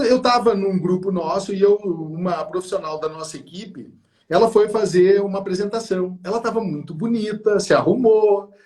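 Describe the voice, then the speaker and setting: A man hosting an interview, effusive and animated, acting out other people's words with big leaps in pitch. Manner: effusive, acts out quoted voices with big pitch jumps. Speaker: host. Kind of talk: enthusiastic interview chat.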